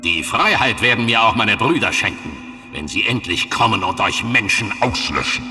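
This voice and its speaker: A metallic, toneless alien translator voice. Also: male voice, fairly low pitch, expressive, pushed and bright, full character voice. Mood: disdainful. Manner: slow, haughty, contemptuous. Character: hostile ancient alien creature, proud and scornful. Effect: toneless metallic voice of a mechanical translator. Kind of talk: audio drama acting. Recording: echoing studio audio drama over music.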